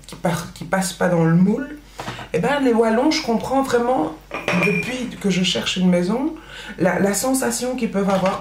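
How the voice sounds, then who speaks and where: A woman's voice: lowish voice, a little mellow. Chatty Belgian woman in an echoey room. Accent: Belgian French. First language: Dutch. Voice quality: chatty, many fillers and restarts. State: pregnant. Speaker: vlogger. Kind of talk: casual chat while doing makeup.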